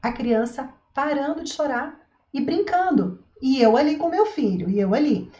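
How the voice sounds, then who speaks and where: Woman, parenting educator, casual vlog talk, chatty and a bit high-pitched, roomy echo. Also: animated, normal speed, warm tone, highs cut off. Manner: chatty, asks rhetorical questions, says "né" and "tá" often. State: throat itch, coughs now and then.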